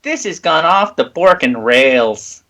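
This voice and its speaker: A man talks casually as a player in a tabletop game. His voice sits a bit high and moves expressively in pitch. He takes his time, with slow, hesitant phrasing. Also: animated, sharp tone, highs cut off.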